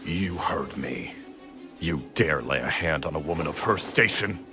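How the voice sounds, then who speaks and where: Loud music sits behind a low, imperious male voice. He is a haughty, threatening warrior in an overacted anime dub, speaking in archaic phrases with big swings of pitch. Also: lively intonation, measured pace. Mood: cold menace.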